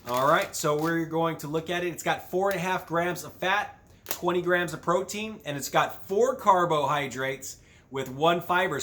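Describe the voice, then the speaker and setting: A man's voice: on the high side, fairly bright tone, slight background noise. A man hosting a casual food review, chatting as he tastes crunchy chips. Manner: talks while tasting crunchy chips. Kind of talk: casual product review chat.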